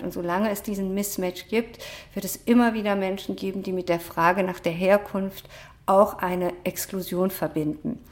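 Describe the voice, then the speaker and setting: A woman author answering interview questions in a measured, academic way, with frequent hesitation sounds. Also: fairly low pitch. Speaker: author and social scientist, interview guest.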